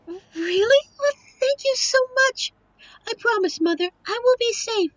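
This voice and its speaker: Girl voice actor doing a sweet devoted young succubus gf, super high voice, emotional, slightly dull recording, audio roleplay. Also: expressive, unhurried, dry recording. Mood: relieved, firm. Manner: earnest, emotional, protective. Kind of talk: audio roleplay drama acting.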